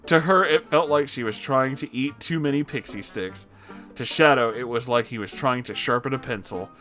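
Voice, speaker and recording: Bright-voiced man reading aloud, incredulous. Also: medium pitch, moderate pace, soft background music. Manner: breaks into laughter, exclaims in disbelief. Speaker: host reading fan fiction aloud. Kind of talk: comedic dramatic reading with incredulous asides.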